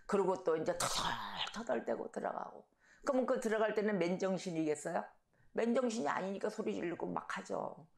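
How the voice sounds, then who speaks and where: Gravelly woman preaching in an echoey church. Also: mid-range voice, fairly quick. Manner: storytelling, animated, acts out shouted quotes. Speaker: pastor. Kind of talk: sermon. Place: church sanctuary.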